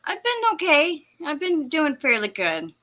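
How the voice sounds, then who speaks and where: Woman, live-stream host, chatty, laughs often, higher voice, very bright tone. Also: sing-song, measured pace. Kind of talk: casual live-stream chat, reading out viewer comments.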